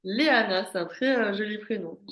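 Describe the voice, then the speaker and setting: A woman's voice: mid-range voice, normal speed, fairly bright tone, roomy sound, low-quality recording. A woman hosting a podcast interview, asking questions and encouraging her guest with short affirmations. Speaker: podcast host. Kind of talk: conversational interview.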